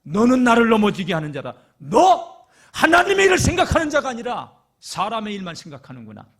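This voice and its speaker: A stern, solemn teacher, as a male preacher puts him on, speaking lower and more slowly than the sermon around him. The husky voice turns measured and at times hushed as he rebukes. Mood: rebuking.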